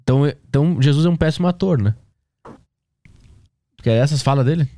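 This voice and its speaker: Um homem brasileiro do sul, gripado, conversando num podcast com piadas e palavrões. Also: male voice, on the high side, mellow, no room sound. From southern Brazil. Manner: quick, joking banter with curse words. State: has a cold. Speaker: podcast co-host. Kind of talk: casual chat.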